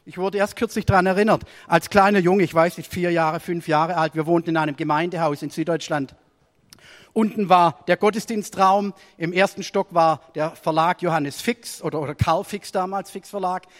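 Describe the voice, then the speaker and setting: A man preaching with a high voice that climbs for emphasis and drops low for quieter moments. The sound carries a long reverberant tail, as in a church hall. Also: steady tone, normal speed. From Germany. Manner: storytelling sermon with swings between raised emphasis and quiet asides. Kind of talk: sermon.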